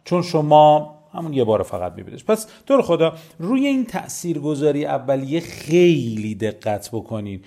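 A man teaching negotiation in a conversational lecture, animated and full of rhetorical questions, speaking straight to the listener. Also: mid-range voice. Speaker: negotiation trainer.

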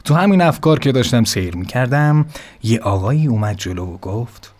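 A man narrating a comic story in a hushed, half-whispered, intimate way. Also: mid-range voice, lively intonation. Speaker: sketch performer.

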